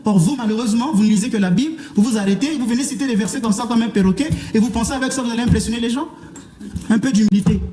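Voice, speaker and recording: A man with a very high voice talks quickly in a roomy, echoing space. He argues like a lecturing clergyman in a televised debate, with a reproachful edge. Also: mellow, slight background noise. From Africa.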